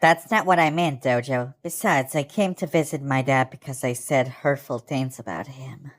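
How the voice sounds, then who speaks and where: A woman's voice: extremely low pitch, normal speed, soft background music. A woman voicing a foul-mouthed, hot-tempered young girl in a cartoon parody, brash and exaggerated. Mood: sulky.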